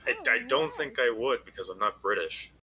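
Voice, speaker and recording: A man's voice: medium pitch, lively intonation, fairly quick, noisy background. A man in casual voice chat, making dry, sardonic remarks.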